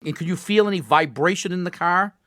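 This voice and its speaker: A man's voice: high voice, fairly quick, a little hiss or hum. An older man co-hosting a call-in radio show, joking and laughing often as he gives car advice. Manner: jokey, laughs often, lively sing-song delivery. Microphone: studio microphone.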